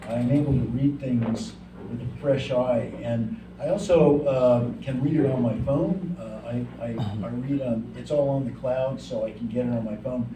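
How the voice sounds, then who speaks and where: Noticeable background noise and audible room echo surround a man with an American accent. He talks fairly slowly with hardly any pauses, at a medium pitch with ordinary pitch variation. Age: 70s. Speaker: author and journalist. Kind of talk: press conference Q&A. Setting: book launch event.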